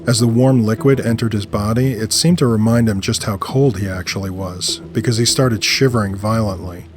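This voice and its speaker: A man's voice: on the low side, moderate pace. A man narrating scripted first-person audio fiction. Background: music.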